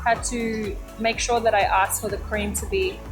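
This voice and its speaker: A woman's voice: mid-range voice, fairly even intonation, moderate pace, music in the background. A woman answering interview questions casually and encouragingly. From Australia. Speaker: traveller sharing tips.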